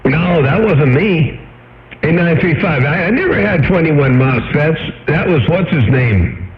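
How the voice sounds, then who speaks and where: A man's voice: on the high side, expressive, unhurried, slight background noise. Man chatting over echoey CB radio. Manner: drawling, trucker-style radio lingo with handles and codes. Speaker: CB radio operator. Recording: echoey dull CB radio transmission.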